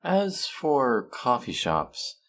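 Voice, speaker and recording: A man's voice: mid-range voice, wildly swooping pitch, drawn-out words, heavily acted. A man playing an awkward, apologetic and sweet young man who rambles nervously on the phone in an intimate audio roleplay. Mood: relieved, friendly. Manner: rambling, hesitant, self-deprecating, soft chuckles. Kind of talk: intimate one-sided audio roleplay, conversational.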